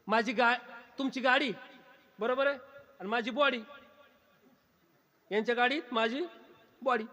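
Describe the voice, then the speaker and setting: A man with a high voice leads a kirtan, preaching playfully to a gathered crowd. He teases his listeners and keeps firing questions at them. His voice rings out with a long reverb, as if filling a large hall. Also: fairly bright tone, muffled recording. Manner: teasing, keeps quizzing the crowd. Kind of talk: humorous kirtan sermon to a live audience. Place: kirtan gathering before an audience.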